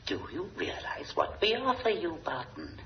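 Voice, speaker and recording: An actor playing a scheming, power-hungry villain with a grandiose, ranting delivery, in an old radio drama recording. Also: male voice, on the high side, very animated, moderate pace, vocal fry, muffled recording, a little hiss or hum.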